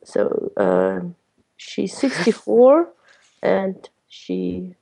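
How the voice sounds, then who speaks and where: A woman's voice: medium pitch, huge pitch swings, extremely slow, vocal fry, warm tone. A woman talks casually with friends in a teasing, argumentative way. She presses her points with repeated questions and often breaks into laughter. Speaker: participant in a group chat. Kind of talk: casual chat.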